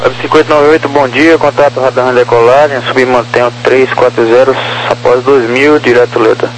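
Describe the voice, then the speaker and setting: A male approach controller gives formulaic instructions over aviation radio. His pitch is average and a faint hum runs under the transmission. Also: little pitch movement, a little fast, poor audio. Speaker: approach air traffic controller. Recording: humming air traffic radio channel.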